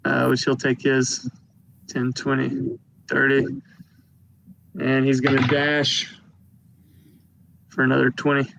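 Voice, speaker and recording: A man narrating a tabletop game as game master, calling turns and dice rolls in a steady, matter-of-fact way. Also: medium pitch, slow pace, creaky, long pauses, a little hiss or hum, rough recording.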